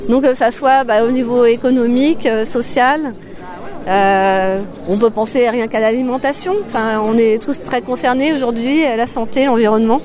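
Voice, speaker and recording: A woman's voice: fairly high pitch, fairly even intonation, normal speed, a little mellow. Hesitant woman speaking over music. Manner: hesitant, with frequent fillers. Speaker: interviewee. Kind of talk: spontaneous interview answer.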